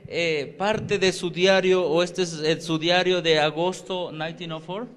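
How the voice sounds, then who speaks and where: High-voiced man interpreting a sermon. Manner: quick, animated translating with fillers and self-corrections.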